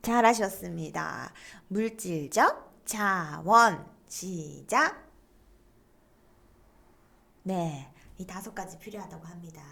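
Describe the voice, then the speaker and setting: A woman's voice: mid-range voice, vocal fry, a bit bright. A middle-aged woman giving a lecture, explaining terms and leading students to read aloud together. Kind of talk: online lecture on stress coping.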